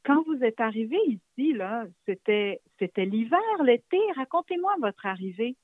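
Gentle woman interviewer on a phone line. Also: on the high side, lively intonation, no echo. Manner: gentle, slow, encouraging questions. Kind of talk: interview questions. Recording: dry phone-line audio.

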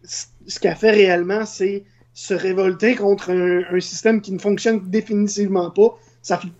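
A woman's voice: medium pitch, fairly even intonation, normal speed, darkish tone. A woman with a Quebec French accent giving opinions in a casual discussion, emphatically, point by point, restarting as she goes. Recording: dull, muffled lo-fi sound.

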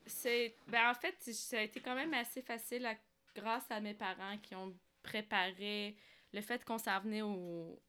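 A woman's voice: mid-range voice, fairly even intonation, measured pace, bright, forceful tone, smooth. A woman from Algeria chatting casually as a podcast guest, telling personal stories. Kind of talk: casual conversational storytelling.

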